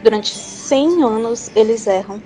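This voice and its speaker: A woman's voice: a little high, a little slow, close to an everyday voice, low-quality recording. Woman acting a solemn Brazilian prophetess, music behind. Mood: grave. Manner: solemn, declamatory.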